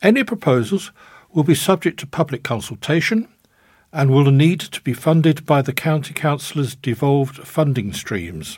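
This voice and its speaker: Lively and somewhat breathy, a man with an English accent speaks at a fairly high pitch and moderate pace on a very clean recording with a silent background. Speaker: volunteer newsreader. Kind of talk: reading aloud. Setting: studio.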